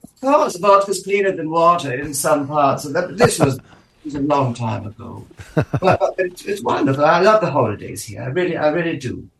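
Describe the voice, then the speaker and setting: A man's voice: fairly high pitch, big pitch swings, moderate pace, vocal fry, fairly bright tone, echoey room, a little hiss or hum, full character voice, rough recording. A man voicing a vain, aging Eastern European countess and drag diva, with a theatrical, stammering manner and a vaguely Eastern European, mid-Atlantic accent. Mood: grand, campy. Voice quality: theatrical, stammering, self-mocking. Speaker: guest performer. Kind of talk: campy in-character radio chat. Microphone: phone or remote line from home.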